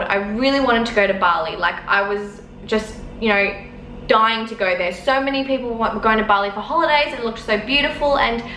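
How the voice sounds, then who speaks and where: A woman's voice: a little high, bright, forceful tone. A young woman in her twenties rambling chattily with lots of fillers while telling a story from her lounge room. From Australia. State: sore eyes from smoke. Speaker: vlogger. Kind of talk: casual storytelling to camera. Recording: echoey room, faint background noise.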